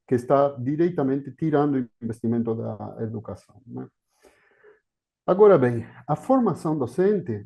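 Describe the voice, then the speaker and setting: A man's voice: mid-range voice, mellow. A man from Argentina with an Argentine Spanish accent, giving an academic talk as a guest historian over a video call, hesitant and full of fillers. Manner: hesitant, with many fillers and restarts. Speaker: guest speaker, historian of education.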